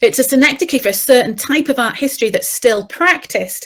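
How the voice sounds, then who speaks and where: The voice is somewhat breathy. It carries a British accent. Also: woman. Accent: regional British. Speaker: professor. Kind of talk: lecture. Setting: online conference.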